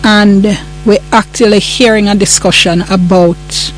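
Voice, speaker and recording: A woman's voice: medium pitch, fairly even intonation, measured pace, a little hiss or hum, rough recording. A woman in a panel discussion, speaking in an indignant, emphatic way.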